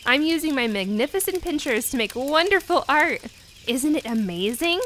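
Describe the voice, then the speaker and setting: A woman voicing a cheerful, proud little bug with pincers in a children's story, speaking brightly and encouragingly. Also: high voice, animated, moderate pace, slight background noise. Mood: warm.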